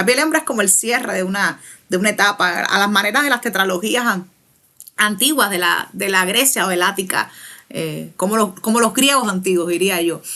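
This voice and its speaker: A woman speaks with a Cuban accent at a moderate pace. Her pitch is medium, with ordinary variation. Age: 30s. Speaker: writer. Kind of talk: interview.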